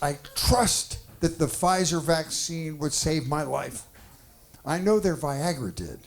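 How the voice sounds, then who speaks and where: A man's voice: on the high side, animated, slow pace, faint music behind. A man in his sixties doing a dry stand-up set of one-liners. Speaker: stand-up comedian. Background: audience laughter and crowd.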